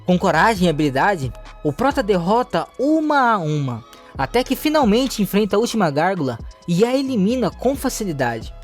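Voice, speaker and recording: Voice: medium pitch, big pitch swings, normal speed, soft background music. A narrator, reading a comic story recap steadily, with small restarts. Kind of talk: recap narration, read aloud.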